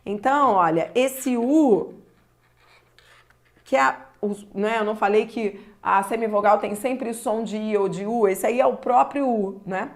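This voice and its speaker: A Brazilian woman teaching a grammar lesson, stretching key words and speaking straight to the viewer. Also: mid-range voice. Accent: Brazilian Portuguese. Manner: slow and deliberate, stretching key words, addressing the viewer directly.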